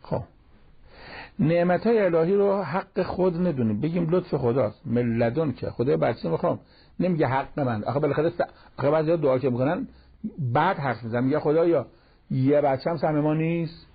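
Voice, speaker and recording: With a slightly high, gravelly voice carrying a breathy edge, a male cleric talks through Quran verses in conversational sermon fashion, quoting Arabic lines now and then. The recording has a dull, lo-fi broadcast quality.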